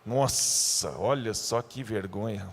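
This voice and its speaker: A male pastor giving a youth sermon, animated and joking, acting out the scenes he tells. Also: lowish voice, slow pace, gravelly, big-room sound.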